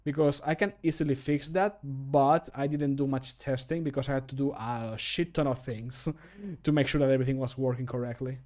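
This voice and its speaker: A man's voice: mid-range voice, normal speed, few pauses, darkish tone. A man in his thirties chatting casually on a livestream while he works, thinking aloud with self-deprecating remarks and some swearing. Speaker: streamer recording game mod voice lines. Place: small home room, indoors.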